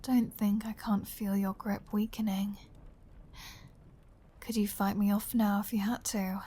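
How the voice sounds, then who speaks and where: A woman playing a flirty, predatory vampire in an intimate ASMR roleplay, teasing and dominant, often dropping into a breathy whisper. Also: mid-range voice, flat delivery, a little slow, mellow. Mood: taunting, playful. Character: flirty, predatory female vampire toying with a hunter.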